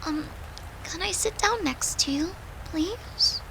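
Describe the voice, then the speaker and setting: A woman playing a worried, tender girlfriend in an intimate audio roleplay, speaking softly and coaxingly, with some hesitation. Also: very high voice, takes it slowly, vocal fry, noisy background, heavily acted. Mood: gentle, reassuring. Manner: soft, coaxing, hesitant, sometimes whispery.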